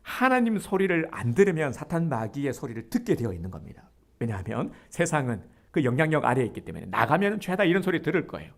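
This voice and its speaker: A man's voice: fairly high pitch, sing-song, fast, creaky. A male pastor preaching a sermon, emphatic, leading the congregation to repeat after him.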